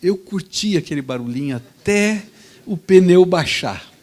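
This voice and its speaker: A man, a pastor preaching a sermon in a lively, conversational storytelling manner. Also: sits high, measured pace.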